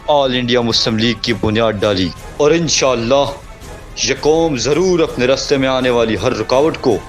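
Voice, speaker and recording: A man playing a grave elder leader of a Muslim gathering in an audio drama, speaking slowly and solemnly, then rousingly. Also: medium pitch, close to an everyday voice. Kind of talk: Urdu audio drama acting.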